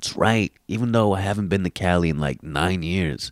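With an American accent, a man speaks in an energetic tone with ordinary pitch variation. The sound is dry with no echo, and the background is quiet. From Queens, New York. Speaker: podcast host. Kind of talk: casual podcast monologue. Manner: brash, energetic, profane. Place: home room. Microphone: handheld.

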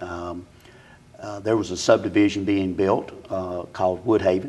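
A man speaks in a fairly low pitch with a Southern US accent. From Mississippi Gulf Coast. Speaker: pastor. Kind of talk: casual interview. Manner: halting, many fillers. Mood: warm, earnest. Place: church. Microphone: lapel.

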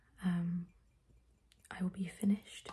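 A woman whispers, soft-spoken and somewhat breathy. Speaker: YouTuber. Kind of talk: casual vlog chat, product talk. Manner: soft whispered ASMR talk. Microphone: phone near.

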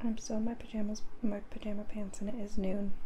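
Soft-spoken talk at a fairly quick pace, with light background noise. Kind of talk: casual vlog chat. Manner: soft-spoken ASMR murmur. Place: home room. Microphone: phone near.

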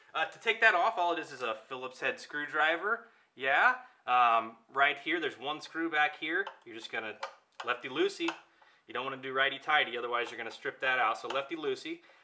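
Someone talks at a fairly quick pace against noticeable background noise. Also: man. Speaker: appliance repair demonstrator. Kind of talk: tutorial. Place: workshop. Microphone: camera far.

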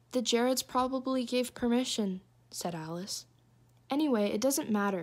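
A woman with an unremarkable speaking voice talks at a moderate pace with lively intonation, on a very clean recording with a silent background. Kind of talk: audiobook reading of a young adult novel. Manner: measured, even-paced narration with softly voiced dialogue.

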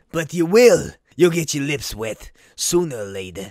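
Using a put-on character voice, a man speaks at a fairly high pitch. His pitch swings very widely at a moderate pace. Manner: seductive, menacing.

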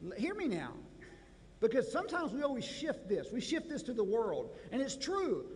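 A man speaks at an extremely high pitch with very wide pitch swings, at a moderate pace. Audible room echo surrounds the voice.

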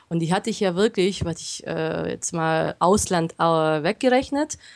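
Very slowly, a woman speaks with a slight Swabian accent. The sound is dry and close with no echo, in a very clean recording with a silent background. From Swabia, southwestern Germany. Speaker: network marketing executive. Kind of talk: interview.

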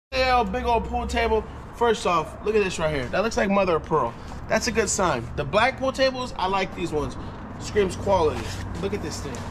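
A man speaks at a fairly quick pace in a high voice with lively intonation. Faint music plays in the background. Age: 30s. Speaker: storage auction vlogger. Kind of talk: casual vlog chat. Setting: inside a storage unit. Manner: animated. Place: garage. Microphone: phone near.

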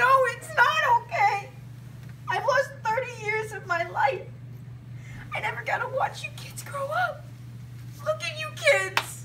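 A woman at a fairly slow pace, with long, frequent pauses and noticeable background noise. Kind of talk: acted comedic lament. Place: classroom. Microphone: phone near.

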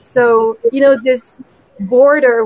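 With a Korean accent, a woman speaks at a fairly slow pace and a fairly high pitch with ordinary variation. The sound is dry, with no echo. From South Korea. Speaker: abstract painter; panelist. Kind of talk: panel discussion. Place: home room. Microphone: video call.

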